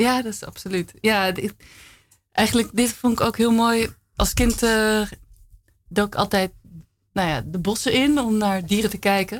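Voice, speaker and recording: Recorded very cleanly against a silent background, a woman with a fairly high pitch and ordinary pitch variation speaks fairly slowly, with long, frequent pauses. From Netherlands, partly raised abroad speaking English and Italian. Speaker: artist. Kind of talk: radio interview. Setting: radio studio. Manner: halting, many fillers.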